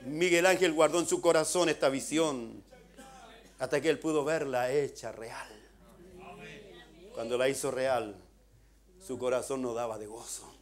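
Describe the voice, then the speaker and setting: A Chilean male pastor preaching a sermon in church, retelling a vision with repeated "dice" and rising to loud, impassioned pleas. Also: medium pitch, steady tone, a little slow, pauses often. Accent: Chilean Spanish.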